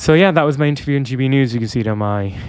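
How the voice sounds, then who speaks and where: In a very clean recording with a silent background, a man speaks at medium pitch. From US, Vietnamese immigrant family. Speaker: journalist hosting a livestream. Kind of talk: solo livestream commentary. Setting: solo livestream to camera. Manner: monotone; many fillers, halting.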